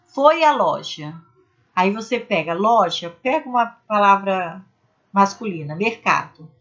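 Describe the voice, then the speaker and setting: A woman with a fairly high voice leads an exam-prep grammar lesson. She explains each rule step by step, gives spoken examples, and keeps checking in with her viewers. The recording sounds dull and lo-fi. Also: a bit bright. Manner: addresses viewers as "gente" with frequent "né?" tags. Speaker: Portuguese language teacher.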